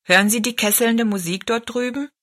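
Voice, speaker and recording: A woman's voice: fairly high pitch, moderate pace, a bit bright, pitched above the performer's own voice, lightly acted. A woman voicing a helpful, deferential lad in a storybook, plain and earnest in manner. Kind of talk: storybook narration.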